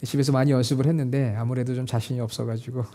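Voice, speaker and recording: A middle-aged man preaching a sermon as pastor, earnest, lifting into emotional prayer-like quotes and then dropping soft. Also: mid-range voice, fairly even intonation, rapid-fire.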